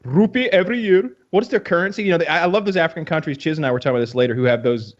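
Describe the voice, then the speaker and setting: A man's voice: a little high, racing, muffled recording. A man in casual podcast banter, blunt and swearing freely. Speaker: podcast co-host.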